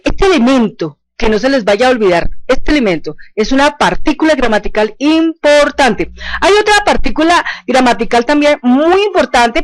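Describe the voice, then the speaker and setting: Patient woman teacher, higher voice. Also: poor audio. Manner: patient, repeats points, checks understanding often. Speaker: language teacher. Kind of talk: explanatory online lesson.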